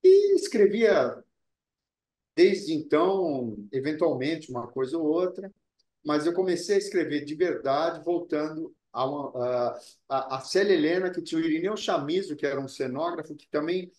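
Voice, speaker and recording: A man being interviewed as an actor, talking earnestly and deliberately, often repeating words as he searches for them, and Italian was his first language. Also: a little high, darkish tone, echoey room. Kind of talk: reflective interview talk.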